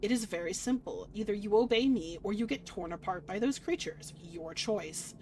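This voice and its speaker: A woman's voice: mid-range voice, animated, normal speed, a little mellow, lightly acted. A woman voicing a cold, aloof god in a visual novel, speaking in a curt and imperious way. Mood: stern, threatening. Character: cold, commanding, aloof young god of Limbo.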